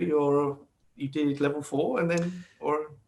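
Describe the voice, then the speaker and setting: The speaker is a man. He has an English accent. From London, England. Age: 30s. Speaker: improv hobbyist, finance worker. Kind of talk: casual chat. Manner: hesitant, many fillers.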